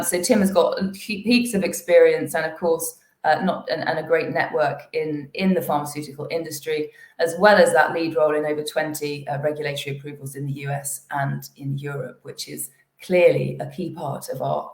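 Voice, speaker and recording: Low-voiced woman presenting to investors, echoey. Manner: hesitant, many fillers and restarts. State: losing her voice. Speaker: company executive presenting to investors.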